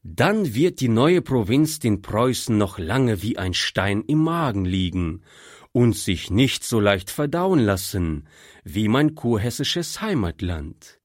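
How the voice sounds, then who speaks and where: A man's voice: lowish voice, sing-song, takes it slowly, no room sound, clean studio sound, full character voice. A man reading as a humble young soldier. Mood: wry. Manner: humble, prayerful, quietly earnest. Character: young wounded German soldier, humble and devout.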